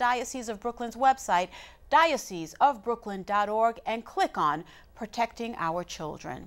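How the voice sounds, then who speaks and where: A woman speaks with lively intonation. Her voice is fairly high. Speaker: news anchor. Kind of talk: news anchoring with interview. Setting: studio. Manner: formal, polished. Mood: calm, even news tone. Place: studio.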